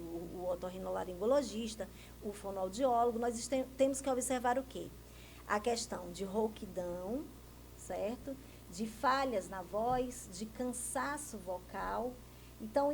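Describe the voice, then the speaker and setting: A Brazilian woman with a somewhat high voice answers interview questions as a speech therapist. She explains things carefully and keeps posing questions she answers herself. A faint noise sits under her voice. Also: a little mellow, rough recording. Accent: Brazilian Portuguese. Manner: didactic, asks and answers her own questions. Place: TV news studio.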